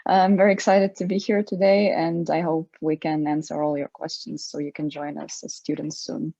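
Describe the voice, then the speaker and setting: A woman's voice: low voice, flat delivery, moderate pace, dark tone, no room sound. Young female presenter, from Ukraine, friendly; dry, muffled call audio. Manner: friendly, clear, with some "um" fillers. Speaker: student ambassador presenter. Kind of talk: presenting slides on a video call. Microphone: video call.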